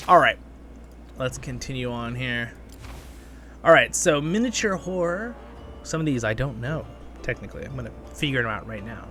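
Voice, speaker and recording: A man's voice: medium pitch, expressive, normal speed, pauses often, bright, forceful tone. A man hosting a gaming channel, giving a casual, rambling gameplay guide and chatting to viewers as friends. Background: game background music.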